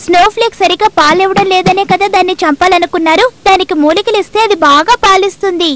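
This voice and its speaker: A woman's voice: very high-pitched, fairly even intonation, fast, a bit bright, slight background noise. A woman voicing an earnest, spirited little granddaughter in a dubbed cartoon, eager and outspoken, with a childlike voice. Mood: pleading, indignant.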